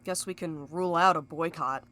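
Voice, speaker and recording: A woman's voice: deep voice, normal speed, bright, forceful tone. A woman playing a blunt, sardonic courier with an impatient streak in an audio drama. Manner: blunt, sarcastic. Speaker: voice actor in a fiction podcast. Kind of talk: scripted audio drama acting.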